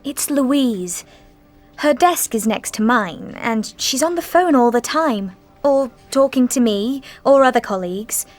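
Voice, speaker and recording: A woman's voice: fairly high pitch, animated, unhurried, soft background music. A woman performing a scripted office dialogue for an English course, talking in a fretful, complaining way. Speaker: dialogue actor in course audio. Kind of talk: scripted role-play dialogue.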